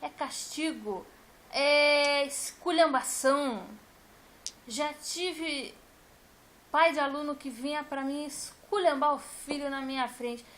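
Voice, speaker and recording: A woman's voice: high-pitched, takes it slowly, fairly bright tone. A woman, a teacher, talking casually and emphatically to her viewers and repeating her points. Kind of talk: casual talk to camera.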